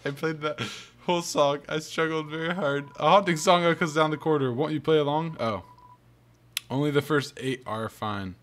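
A man's voice: on the high side, moderate pace, fairly bright tone. A man giving casual let's-play commentary, reading game text aloud and muttering exasperated asides to himself. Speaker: video game streamer. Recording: game music under the voice. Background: video game music.

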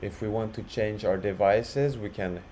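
A man presenting a casual software walkthrough, explaining step by step in a halting way. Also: lowish voice, steady tone. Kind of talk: casual screen-share walkthrough. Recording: clearly audible background noise.

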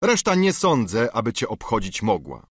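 A man putting on a curt, dismissive mounted guard in a storybook reading, his voice pushed higher than the narrator's own. His voice is husky and the sound is close and dry. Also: huge pitch swings, moderate pace, no room sound. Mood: brusque. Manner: brusque. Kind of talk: audiobook character reading.

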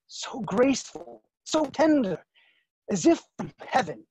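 A man's voice: extremely high pitch, very animated, unhurried, darkish tone, breathy edge, exaggerated voice, poor audio. An actor in his thirties playing an earnest, lovestruck younger brother, romantic and defiant, in a staged play reading. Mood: wistful. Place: room at home, video call.

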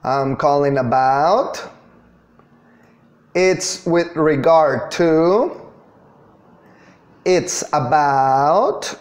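Male teacher, slow unhurried pace, instructional grammar explanation, stressed key words, slightly high voice. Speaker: English teacher. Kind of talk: online grammar lesson, explanatory. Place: small indoor room.

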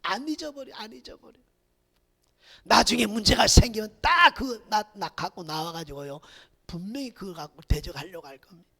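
A man preaching a Sunday sermon as pastor, swinging between shouted exhortation and hushed near-whispers. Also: high voice, normal speed, gravelly, crowd noise. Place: church sanctuary. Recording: reverberant church hall.

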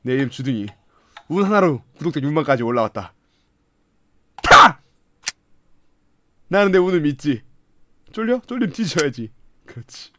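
A man streaming a game, playing in casual commentary, excitable, mumbling to himself one moment and shouting and laughing the next. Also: fairly high pitch, brisk, slight background noise. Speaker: gaming streamer.

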